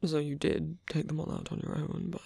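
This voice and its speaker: A man playing a tired, wounded villain softening toward a lover in an intimate ASMR roleplay, breathy and hesitant, often half-whispering close to the mic. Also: fairly high pitch, fairly even intonation, no echo, exaggerated voice. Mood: weary, reflective. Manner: hesitant, halting, with long pauses and sighs. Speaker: ASMR voice actor. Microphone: close microphone, dry.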